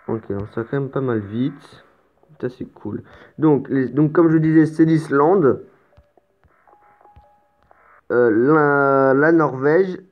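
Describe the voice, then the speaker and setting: A man talks through a strategy game as a let's play host, chatty and explanatory, tripping over his words now and then. His voice comes through thin and tinny, like a cheap phone line. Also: medium pitch. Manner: chatty and explanatory, with stammers and mild swearing. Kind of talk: casual gameplay commentary.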